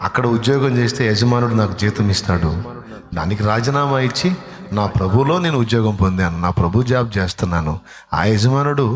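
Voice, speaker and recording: A preacher voicing a calm, devoted believer. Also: male voice, fairly low pitch, natural voice. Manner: quiet, steady, patient. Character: calm, devoted male believer answering his critics.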